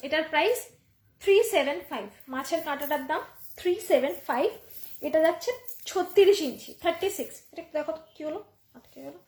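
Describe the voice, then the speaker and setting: A high-pitched woman with a Bengali accent talks her viewers through one piece of jewellery after another, repeating each price in a chatty, friendly way. She is filmed on a phone at home, and her voice carries a roomy echo. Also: brisk, a little mellow. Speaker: online jewellery seller. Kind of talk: live selling stream. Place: home room. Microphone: phone camera. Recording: echoey room.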